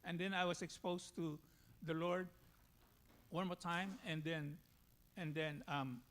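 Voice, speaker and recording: A man from the Philippines with a Filipino accent, giving a personal church testimony in a halting way. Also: fairly high pitch, fairly even intonation, a bit bright.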